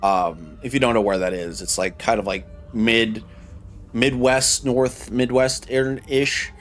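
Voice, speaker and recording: A man's voice: medium pitch, steady tone, slow, fairly bright tone. A man in his thirties, a streamer from Michigan, chatting casually with viewers while gaming, rambling and restarting his sentences. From Michigan, United States. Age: 30s. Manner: rambling, restarts often, reads and answers chat.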